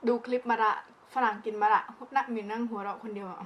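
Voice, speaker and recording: A woman's voice: medium pitch, steady tone, fast talker, highs cut off. Woman chatting while eating, noisy background. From northeastern Thailand (lower Isan). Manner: talks while eating, mouth often full. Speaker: food vlogger. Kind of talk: casual eating-show chat. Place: outdoors in a backyard. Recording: clear background noise, outdoor ambience.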